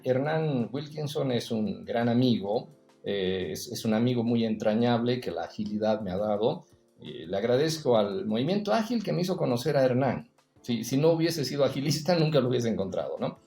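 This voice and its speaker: A man speaking as a podcast guest in an unhurried, reflective way, filling pauses with "eh" and checking in with a tag question. His voice sits at an ordinary middle pitch. The recording has a noticeable roomy echo. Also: dark tone. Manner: reflective, storytelling, frequent "eh" and tag "¿no?". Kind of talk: casual conversational interview.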